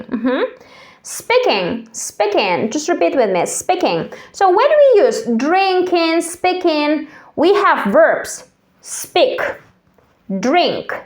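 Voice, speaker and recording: Slow, lilting woman teaching English drills. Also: high-pitched. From Kazakhstan. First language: Russian. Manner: repeats phrases slowly and clearly for learners to echo. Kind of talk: slow drill-style language lesson.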